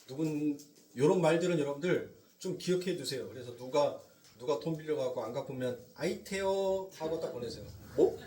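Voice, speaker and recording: A male pastor with a Jeolla accent preaching a sermon, swinging from loud emphasis to near whispers and slowing down on key points. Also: mid-range voice, reverberant, far from the mic. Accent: Jeolla Korean. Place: church sanctuary.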